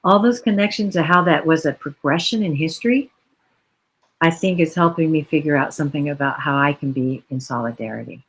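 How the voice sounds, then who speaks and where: A woman's voice: deep voice, a little fast, breathy edge, rough recording. A woman from the United States speaking on a virtual panel over a video call, earnest and reflective, with long flowing explanations.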